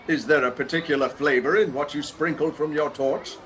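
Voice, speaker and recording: An actor playing a humbled, anxious old Victorian gentleman in a radio play, speaking formally and hesitantly. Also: a little high, steady tone, a little fast, a crowd in the background, natural voice. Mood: curious, polite.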